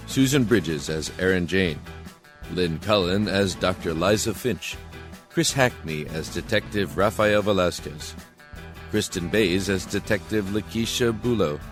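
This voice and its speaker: A man reading scripted credits as an announcer, measured and formal. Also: low-pitched. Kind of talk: scripted narration.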